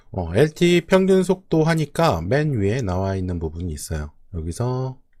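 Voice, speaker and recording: A man of medium pitch speaks at a moderate pace in a dark, mellow tone. His pitch swings very widely, on a very clean recording with a silent background. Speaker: tech explainer YouTuber. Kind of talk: casual explainer talk to camera.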